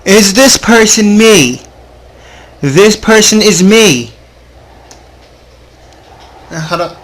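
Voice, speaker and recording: A man's voice: sits high, expressive, drawn-out words, a bit bright. A young adult man hosting a casual gaming video, reading story text aloud informally with offhand asides and the occasional stumble.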